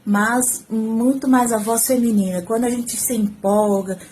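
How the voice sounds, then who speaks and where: A woman's voice: fairly high pitch, unhurried, a little hiss or hum. A woman with a Brazilian Portuguese accent, a former TV reporter, giving a casual, talkative tutorial to her phone camera at home. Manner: talkative, animated, gestures while speaking. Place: at home, indoors. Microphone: phone, front camera.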